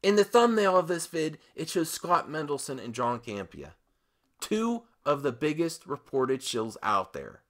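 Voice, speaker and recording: A man delivering an opinionated video commentary in an emphatic manner, leaning on dramatic pauses and repeated phrases. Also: fairly high pitch, sing-song, a bit bright. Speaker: host of a movie commentary channel.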